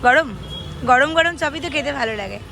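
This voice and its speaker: A woman's voice: high-pitched, lively intonation, brisk, gravelly, sharp tone, slight background noise. A young woman vlogger chatting casually and directly to her viewers. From West Bengal, India. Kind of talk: casual vlog chat to viewers.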